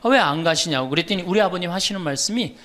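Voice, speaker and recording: A man's voice: high voice, expressive, quick pace, a bit bright. A middle-aged man, a Catholic priest, giving a humorous lecture and telling stories to an audience. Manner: storytelling, quoting others, teasing the audience.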